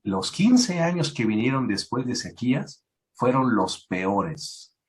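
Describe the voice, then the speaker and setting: A pastor delivering a sermon with dramatic flair. He questions his listeners and acts out pleading, tearful prayers. His pitch sits right in the middle. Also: big pitch swings, slow. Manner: dramatic preaching, acting out pleading voices of the people in his story.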